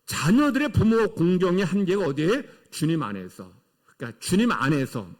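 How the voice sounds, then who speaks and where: A middle-aged man preaches from the pulpit of a church, pressing his points home with rhetorical questions. His voice sits fairly high for a man and rises and falls a great deal. He speaks with the emphatic cadence of a sermon. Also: big pitch swings, moderate pace, darkish tone. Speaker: pastor. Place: church sanctuary.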